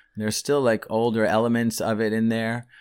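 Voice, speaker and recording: Recorded very cleanly against a silent background, a man with an American accent speaks at a medium pitch. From New Jersey. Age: 30s. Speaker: rapper. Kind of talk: casual chat. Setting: studio.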